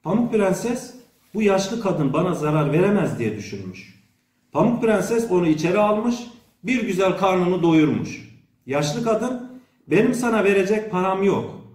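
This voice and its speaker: A middle-aged man reading a children's fairy tale in an expressive storytelling way, letting his sentence endings fall away. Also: high voice, unhurried. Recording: roomy, echoing sound.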